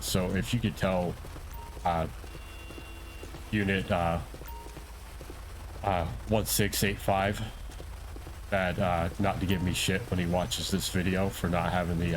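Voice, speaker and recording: Low-voiced man, casual game tutorial. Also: background noise. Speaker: streamer and tutorial host, playing a police officer.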